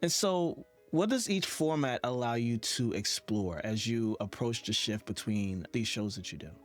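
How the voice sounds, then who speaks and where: A man's voice: mid-range voice, expressive, moderate pace, faint music behind. A man hosting a conversational interview, asking questions and giving short, attentive affirmations. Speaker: interviewer, host.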